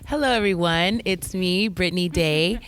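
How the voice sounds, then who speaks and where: A woman social worker introducing herself on a podcast panel in a relaxed, conversational way. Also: fairly low pitch, normal speed. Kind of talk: casual panel chat.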